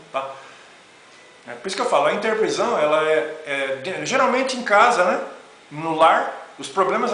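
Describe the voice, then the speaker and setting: A man's voice: sits high, a bit bright. A middle-aged man, talking as a spiritual teacher in an informal, rambling lecture and often tagging on "né?". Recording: very echoey room with faint noise.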